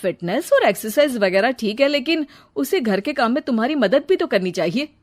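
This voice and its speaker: A woman's voice: on the high side, animated, a little fast, pitched above the performer's own voice. A woman voicing a young man who complains to his mother and scolds his wife in a cartoon story. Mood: concerned. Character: young man, annoyed grown son.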